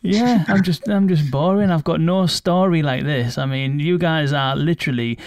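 Upbeat British podcast host. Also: male voice, a little high, normal speed, darkish tone, dry recording, studio quality. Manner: chatty, playful, upbeat. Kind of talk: casual interview chat.

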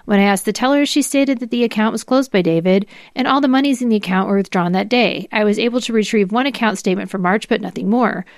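Female podcast host, formal read-aloud of legal paperwork with small asides, mid pitch, very dry recording. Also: fast talker, few pauses, no room sound. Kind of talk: dramatic reading of legal documents.

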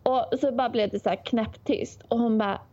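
Woman, casual chat, animated storyteller, fairly high voice, dull lo-fi sound. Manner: animated storyteller, acts out quotes.

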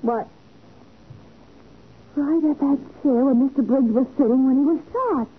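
An actress playing a curious, lightly skeptical American detective's assistant in a 1940s radio drama. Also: female voice, high-pitched, a little slow, phone-quality sound. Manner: inquisitive, expressive, lightly skeptical. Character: curious, questioning young female detective's assistant. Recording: scratchy band-limited 1940s radio recording.

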